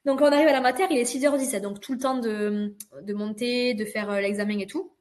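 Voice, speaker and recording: A woman in her twenties, a podcast guest, telling a personal story in a vivid, expressive way with quick asides. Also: on the high side. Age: 20s. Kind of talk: casual conversational storytelling.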